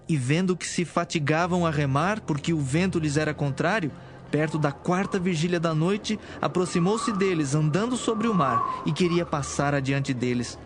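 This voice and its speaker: Higher-pitched man narrating scripture solemnly. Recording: music behind.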